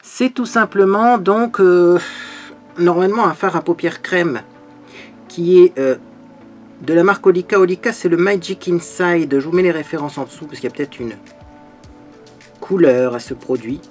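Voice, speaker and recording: A male beauty vlogger hosts a makeup tutorial in a high-sitting voice at normal speed, with long pauses and soft music playing underneath. He's bubbly and chatty, tagging many sentences with a little "hein."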